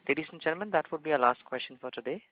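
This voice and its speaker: Brisk male call operator. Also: fairly high pitch. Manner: brisk, formulaic announcements. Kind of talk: scripted call moderation. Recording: dull, dry call line.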